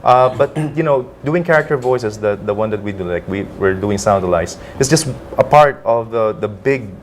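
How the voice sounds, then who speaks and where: A man with a Filipino accent, a voice actor guest on TV, explaining things in a measured way. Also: lowish voice, crowd noise. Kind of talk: TV interview.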